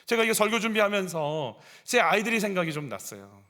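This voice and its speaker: A male pastor preaching a sermon in a church, animated and acting out scenes as he goes. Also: sits high, brisk. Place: church sanctuary.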